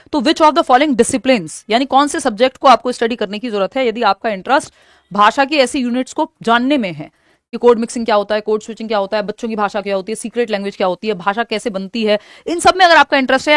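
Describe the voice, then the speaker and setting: A woman teacher working through exam questions, explaining in Hindi mixed with English terms and reading questions out slowly. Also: fairly high pitch, fairly bright tone, dry recording, studio quality. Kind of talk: exam-prep lesson.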